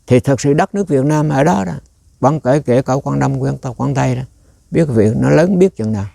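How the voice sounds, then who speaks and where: A man's voice: medium pitch, fairly quick, vocal fry, mellow, no echo, studio quality. A man giving a rambling, conversational dharma talk as a Buddhist monk, often turning to quiz his listeners.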